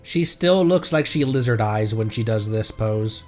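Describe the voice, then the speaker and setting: A man's voice: fairly low pitch, lively intonation, unhurried, darkish tone. A man livestreaming a game with casual chat and reactions, rambling, playful and sweary. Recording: background music under the voice.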